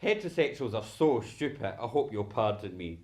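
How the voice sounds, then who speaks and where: A man's voice: lowish voice, very animated, moderate pace, a little mellow. An actor playing a wry, flamboyant gay man in a theatrical solo monologue, dramatic and sardonic, slipping into mimicked dialogue.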